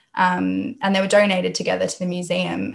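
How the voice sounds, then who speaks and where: A woman talks at a fairly quick pace in an Australian accent. The background is quiet. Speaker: PhD student, historian. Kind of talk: interview. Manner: casual.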